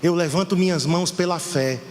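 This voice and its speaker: A man's voice: fairly high pitch, fairly quick, a little mellow, big-room sound, slight background noise. A middle-aged Brazilian man preaching a fervent sermon to his congregation as pastor. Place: church hall.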